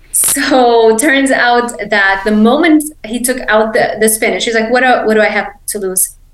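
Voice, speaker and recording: A woman's speech, moderate in pace and ordinary in pitch variation, comes with noticeable background noise. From Lebanon. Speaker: exercise physiologist and nutrition coach. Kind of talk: casual interview chat.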